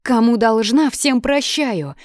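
A woman voicing a feisty, cheeky young red-haired woman with squeaky, loud retorts in an audiobook. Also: lively intonation, slow, no room sound, studio quality.

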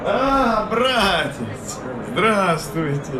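Fawning young clerk, high voice, noisy backdrop, radio play. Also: male voice, sing-song, drawn-out words, full character voice. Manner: fawning, obsequious, eager to treat. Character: fawning young clerk Belogubov, obsequious man.

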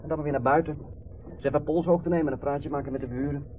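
An actor playing a breezy, sardonic young drifter and outsider in a Dutch radio drama. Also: male voice, a little high, steady tone, fast, close to an everyday voice. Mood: breezy, helpful. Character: rebellious young drifter, cheeky, scornful outsider. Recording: noisy, phone-like old radio play recording.

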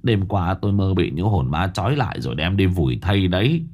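A man's voice: low-pitched, sing-song, fairly quick, darkish tone, heavily acted. A man voicing a terrified village man who stammers and pleads. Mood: shaken.

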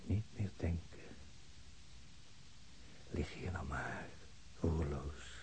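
A man's voice: very deep voice, very slow, background noise, full character voice. An actor playing a wounded, dazed policeman murmuring weakly to himself in a radio drama monologue, as if near death. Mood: weary, despairing. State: weak, whispering, near death.

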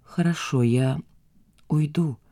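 Woman reading as a calm placating man. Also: low-pitched, takes it slowly, voice pushed down, exaggerated voice. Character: calm, hopeful adult man.

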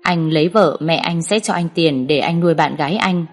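A woman reading a story aloud, voicing a calculating young man who speaks in a flat, dismissive, quiet way. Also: low-pitched, normal speed, soft background music. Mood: cold dismissive.

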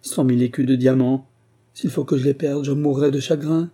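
A man reading aloud, voicing a small, wiry, greedy jeweller who pleads tearfully, in a dark, husky voice. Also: medium pitch, fairly even intonation, brisk, lightly acted. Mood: pleading.

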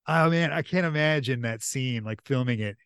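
A man's voice: mid-range voice, normal speed, clear, resonant tone, no room sound, clean studio sound. A man hosting a podcast, chatting casually and eagerly, rambling through his points with enthusiasm. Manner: enthusiastic, rambling, animated retelling. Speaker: podcast host. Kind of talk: casual chat.

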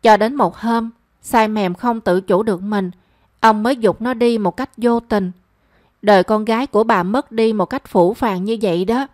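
A woman reading a romance story aloud as narrator, in a measured and expressive storytelling manner. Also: medium pitch, dry recording, studio quality.

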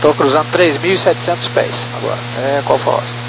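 A man's voice: on the high side, quick pace, vocal fry, music in the background. A man speaking as a pilot in clipped, procedural radio calls like police radio traffic, with terse readbacks. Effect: two-way radio transmission. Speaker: airline pilot. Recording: noisy radio with hum.

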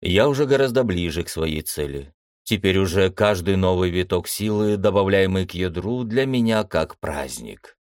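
A man narrating a first-person fantasy audiobook in a steady, measured reading with tense inner monologue. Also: low voice, no room sound, clean studio sound.

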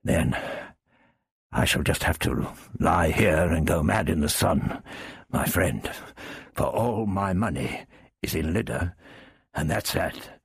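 A man's voice: extremely low pitch, animated, takes it slowly, gravelly, pauses often, husky, no echo, heavily acted. A man voicing a captive nobleman who answers in a dry, sarcastic way.

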